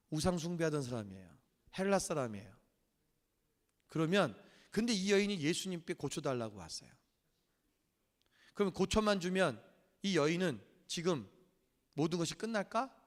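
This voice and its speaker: A male pastor preaching a sermon, animated and acting out the voices he quotes. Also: sits high. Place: church sanctuary. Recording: church hall with long reverb.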